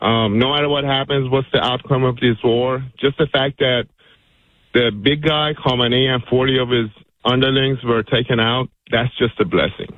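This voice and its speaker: Eager caller on a dry phone line. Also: male voice, medium pitch, fairly even intonation, dry recording. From Iran. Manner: eager, fast, with many "like" fillers. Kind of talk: call-in radio talk.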